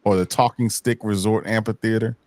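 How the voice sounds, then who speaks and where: A man hosting a casual hip hop talk show, rambling in a relaxed way and often repeating himself. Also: fairly low pitch, brisk, a little hiss or hum. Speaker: podcast host. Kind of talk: casual chat.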